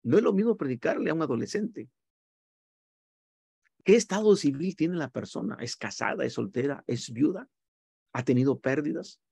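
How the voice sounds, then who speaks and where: Man, warm gravelly voice, earnest teacherly lecture, dry video-call sound. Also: medium pitch, no echo. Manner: earnest, teacherly, with many fillers. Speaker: speaker on evangelism. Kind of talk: lecture on preaching.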